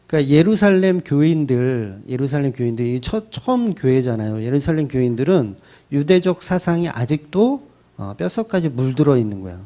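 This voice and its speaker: 생동감 있게 설교하는 남자 목사. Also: male voice, a little high. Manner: colloquial, dramatic storytelling with acted quotes; animated, rising and falling delivery. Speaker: pastor. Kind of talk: Sunday sermon, expository Bible teaching.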